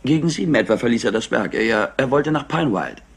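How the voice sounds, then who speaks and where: An actor playing a clever, flippant and somewhat highly strung nephew in a crime drama, mocking and impatient. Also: male voice, expressive, brisk, gravelly, breathy edge. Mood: explaining. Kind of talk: dubbed TV crime drama acting.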